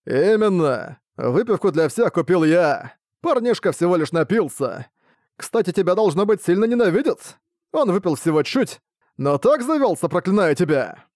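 A man voicing a huge, jovial male warrior who talks in a booming, cheerful way. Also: big pitch swings, normal speed, a little mellow, dry recording, studio quality. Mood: hearty.

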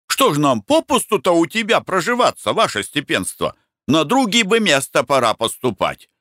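A man reading aloud, voicing a good-natured male peasant barge worker who pleads deferentially and gently for his pay. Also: a little high, wildly swooping pitch, moderate pace, no echo, studio quality, pitched above the performer's own voice, full character voice. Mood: pleading.

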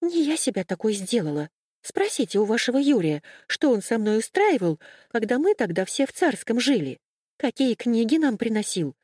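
A woman voicing a scared, tearful young woman who pleads in a high, whimpering voice. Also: big pitch swings, normal speed, darkish tone, dry recording, clean studio sound. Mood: pleading.

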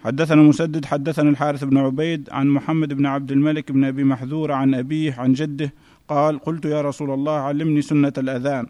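A man reading a classical text aloud to a class in a steady recitation, recorded in an echoey hall. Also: fairly high pitch, fast talker. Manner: steady recitation in a level chant.

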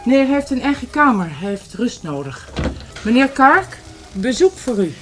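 A protective, businesslike sanatorium nurse in a radio drama. Her voice is high and animated, polite but official, with music and effects in the background. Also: normal speed. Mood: brisk, polite. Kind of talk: Dutch radio drama acting.

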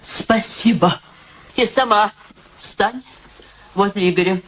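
A woman's voice: mid-range voice, takes it slowly, a bit bright, slight background noise. An actress playing an elderly, sentimental, pushy mother in a radio drama, talkative and solemnly theatrical. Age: older. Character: ailing, sentimental, pushy elderly mother matchmaking her daughter. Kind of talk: stage-like Russian radio drama acting.

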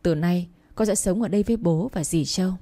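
A woman's voice: lowish voice, a little fast, warm tone, lightly acted. A woman voicing a remorseful father who scolds and comforts his daughter. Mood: gentle. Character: remorseful middle-aged father, stern then gentle.

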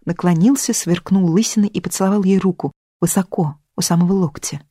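A storyteller reading a novel aloud in a calm, measured voice of middle pitch. The sound is close and dry, with no room around it. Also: no room sound. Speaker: audiobook narrator. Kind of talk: scripted narration.

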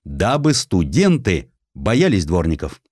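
A man's voice: low-pitched, huge pitch swings, takes it slowly, a little mellow, breathy edge, dry recording, clean studio sound, exaggerated voice. A man voicing a pompous, blunt, commanding police chief of tsarist times in an audio drama. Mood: pompous, instructing.

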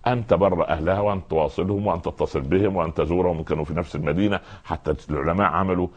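Male preacher, very low voice, rapid, earnest and admonishing, speaks straight to the congregation. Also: steady tone, breathy edge, highs cut off. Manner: earnest, admonishing, addresses listeners directly, acts out quoted voices. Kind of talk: sermon.

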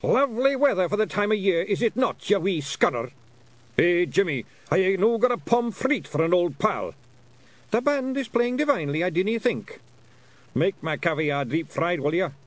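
A man's voice: fairly high pitch, expressive, moderate pace, no echo, voice pushed up, lightly acted. A man doing brash pixie brawlers, Scottish. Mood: mock-posh. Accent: broad Scottish. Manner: rough, mock-posh, brash. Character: rowdy tiny male pixie warriors at a ball.

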